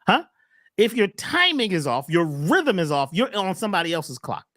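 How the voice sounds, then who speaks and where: Animated man with swooping pitch. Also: normal speed, no echo, clean studio sound. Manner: emphatic, repeats phrases, swoops up on key words. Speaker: wellness coach. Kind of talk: animated talk-show conversation.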